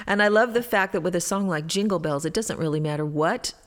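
A woman's voice: on the low side, a little fast, fairly bright tone, big-room sound. A woman hosting a radio show, chatting with a guest in a gushing, enthusiastic way. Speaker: radio host. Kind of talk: upbeat radio interview chat.

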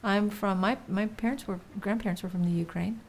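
A woman's voice: mid-range voice, fairly even intonation, fairly quick, gravelly, a little mellow, a little hiss or hum. A woman from California hosting a radio show, chatting with guests in a loose, filler-heavy way. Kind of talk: casual interview and promo.

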